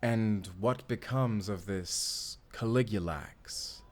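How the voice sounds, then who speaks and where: A man playing a suave, menacing fantasy villain in an audio drama, speaking with theatrical, deliberate politeness and command. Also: fairly low pitch. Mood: sly, intrigued. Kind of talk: audio roleplay acting.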